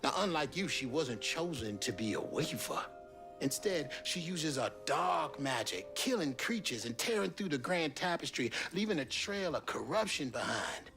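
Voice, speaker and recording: A gravelly, sly male spirit guide from a video game, drawling with a knowing edge. His pitch sits a touch high and swings widely from low murmurs to lifted words, over loud game music. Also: very animated, normal speed.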